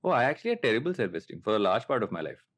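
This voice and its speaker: A man's voice: fairly low pitch, big pitch swings, very fast, fairly bright tone. A man in his late thirties with a Telugu Indian accent, talking casually and reflectively as a podcast host, anecdotal and self-deprecating. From coastal Andhra Pradesh, India. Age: late 30s.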